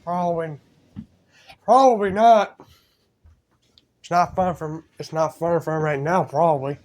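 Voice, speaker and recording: A man's voice: a little high, steady tone, measured pace, a little mellow. A man voicing toy figures in silly improvised banter, playful and rambling. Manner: playful, rambling, switches between silly voices. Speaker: fan video voice actor for toy figures.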